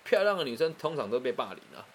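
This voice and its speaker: A man with a Taiwanese Mandarin accent telling a personal story in a chatty, animated way, often restarting and adding asides. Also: medium pitch, quick pace, a little hiss or hum.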